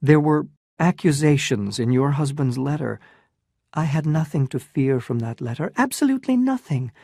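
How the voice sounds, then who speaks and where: A woman's voice: deep voice, animated, normal speed, warm tone, dry recording, studio quality. A reader voicing an anguished, restrained young woman in a dramatized story reading, with emotional, pleading delivery. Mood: distraught.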